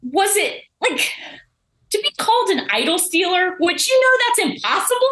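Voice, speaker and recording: A woman's voice: extremely high pitch, measured pace, roomy sound, rough recording. A woman, a former contestant recounting her game in a casual exit interview and acting out the dialogue. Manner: animated storyteller, acts out quoted dialogue. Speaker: eliminated contestant guest.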